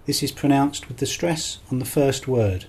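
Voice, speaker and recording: Husky-voiced male podcast teacher. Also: mid-range voice, darkish tone. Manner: measured, explanatory feedback. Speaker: podcast host and English teacher. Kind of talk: scripted teaching commentary.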